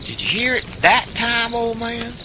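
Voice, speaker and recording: A man's voice: extremely high pitch, fairly even intonation, unhurried. A man playing a sarcastic, hot-headed backwoods fellow with a twangy Southern US accent in an audio drama. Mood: sarcastic, complaining. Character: hot-headed, sarcastic rural Southern good ol' boy. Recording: clear outdoor ambience noise behind voice.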